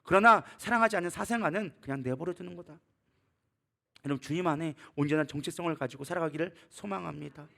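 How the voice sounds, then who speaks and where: A man preaching a sermon as co-pastor, his voice hoarse and worn, exhorting the congregation and shouting out when he quotes scolding words. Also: a little high, quick pace.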